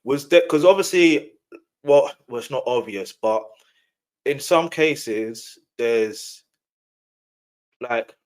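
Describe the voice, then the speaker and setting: A man's voice: medium pitch, slow pace, long pauses, a little mellow. A man hosting a casual interview, informally circling and rephrasing his questions as he goes. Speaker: interviewer, host.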